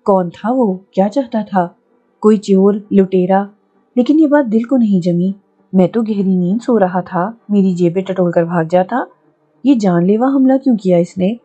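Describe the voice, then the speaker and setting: A woman reading a horror novel aloud in a measured, reflective way. Her voice is mellow and soft, with a middling pitch. The recording sounds dull and lo-fi. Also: husky. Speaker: audiobook narrator. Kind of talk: scripted narration of a horror novel.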